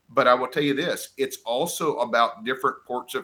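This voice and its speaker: Speaking at a moderate pace, a man with an American accent has a bright, sharp tone. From Florida Panhandle. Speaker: politician. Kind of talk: interview. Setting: video call.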